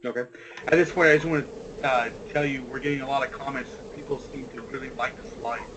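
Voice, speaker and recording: A man's voice: medium pitch, fairly even intonation, fast talker. A man moderating a webinar, plainly reading out audience questions and passing along comments. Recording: noisy webinar audio.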